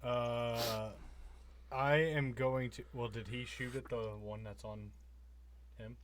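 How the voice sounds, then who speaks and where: A man's voice: medium pitch, fairly even intonation, slow, background noise. A man chatting casually as a player in a tabletop role-playing game. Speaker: player in a tabletop RPG podcast.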